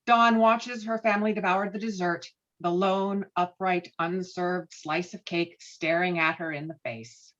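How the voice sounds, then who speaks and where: A woman's voice: lowish voice, fairly even intonation, measured pace, few pauses, a bit bright. Muffled woman reading stage directions. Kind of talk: scripted narration of screenplay directions.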